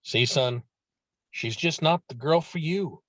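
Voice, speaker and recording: A man's voice: a little high, slow, a bit bright, dry recording, lo-fi sound. A man reading a firm, paternal father lecturing his son in a screenplay table read. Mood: firm, persuasive.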